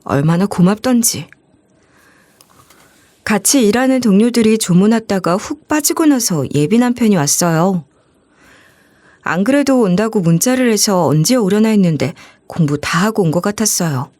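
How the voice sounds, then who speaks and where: A woman narrating a first-person true story in an expressive, emotional storytelling manner on a close mic. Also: mid-range voice, normal speed, no room sound.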